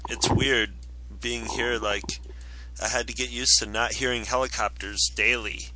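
A middle-aged man co-hosting a podcast, reminiscing in a relaxed conversational way. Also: mid-range voice, a little slow, background noise. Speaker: podcast co-host. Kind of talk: casual chat.

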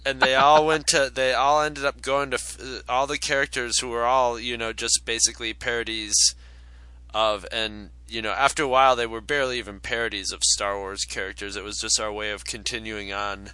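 A middle-aged man co-hosting a podcast, reminiscing in a relaxed conversational way. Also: medium pitch, brisk, clear, resonant tone, no room sound, low-quality recording. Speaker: podcast co-host. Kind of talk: casual chat.

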